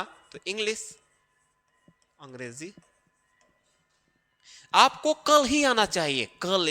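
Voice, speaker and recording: A man's voice: a little high, bright, forceful tone, long reverb tail. A man teaching English grammar step by step, drawing out the English words and often checking in with the viewer. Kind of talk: grammar lesson.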